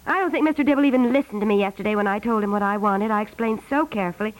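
A woman's voice: mid-range voice, rapid-fire, natural voice, low-quality recording. A woman playing a fussy, insistent housewife in a 1950s radio comedy, dithering and over-explaining every detail. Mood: fretful, eager. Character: fussy, insistent housewife choosing paint colors. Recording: vintage 1950s radio recording.

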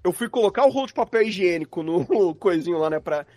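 Casually explaining his craft in an interview, a Brazilian-accented sound designer acts out his thought process a little fast. His animated voice sits high with a slightly mellow quality, and there is no room sound.

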